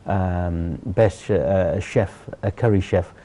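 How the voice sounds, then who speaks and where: Slow and steady in tone, a middle-aged celebrity chef from Sylhet, Bangladesh, tells his story conversationally as an interview guest, his voice low and dark. His phrasing is earnest, emphatic, and repetitive.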